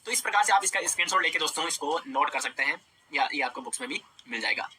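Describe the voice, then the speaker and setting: A man's voice: on the high side, animated, fast, pushed and bright, a little hiss or hum. A young man teaching Hindi grammar in an online exam-prep lecture, explaining step by step, asking his students questions and answering them himself. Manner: explains step by step with rhetorical questions, repeats "dosto" and "theek hai".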